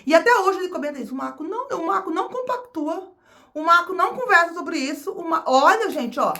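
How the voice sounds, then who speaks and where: A woman's voice: very high voice, animated, a little fast, pushed and bright. A woman from Brazil with a Brazilian Portuguese accent, chatting casually to her viewers as a vlogger, often repeating her phrases. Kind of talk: casual chat to camera.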